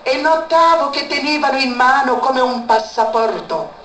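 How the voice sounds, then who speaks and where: A woman's voice: high voice, normal speed, fairly bright tone. Woman sharing a personal testimony, emphatic repetition; faint noise behind, reverberant space. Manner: repeats words for emphasis. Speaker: speaker giving a testimony. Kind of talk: emotional spoken testimony. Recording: echoey room, far from mic, faint background noise.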